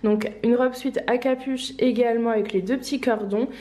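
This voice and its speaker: A woman's voice: fairly high pitch, fairly even intonation, normal speed, mellow, reverberant. A woman with a slight cold, chatting casually as she presents outfits from her clothing shop, with frequent fillers and restarts. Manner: chatty, many fillers and restarts, light laughs. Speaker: online clothing shop owner. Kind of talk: casual fashion try-on vlog.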